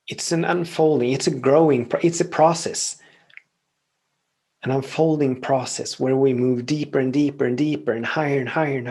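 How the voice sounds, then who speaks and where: A man whose first language is Swedish, hosting a podcast and calmly giving a reflective spiritual teaching monologue, often repeating phrases in long lists. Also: mid-range voice, creaky, slightly rough. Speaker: podcast host.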